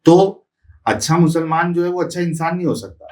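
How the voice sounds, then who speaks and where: A man's voice: on the high side, animated, moderate pace, a little mellow, distant mic. A man speaking as the guest on an interview podcast, emphatic and listing his points one by one.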